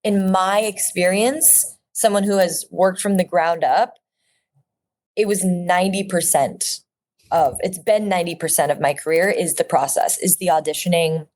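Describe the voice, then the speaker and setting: A woman in her thirties from Orange County, California, speaks in a lowish, darkish voice at a moderate pace. She's an actress appearing as a guest in a casual interview, sounding earnest and reflective, with frequent fillers and restarts.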